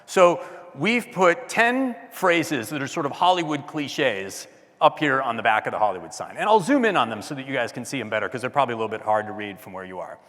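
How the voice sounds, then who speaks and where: A man giving a talk at a design conference, chatty and loud, often asking the audience questions. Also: medium pitch, animated, a little fast, in a large hall. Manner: loud speaking voice. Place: large hall with audience.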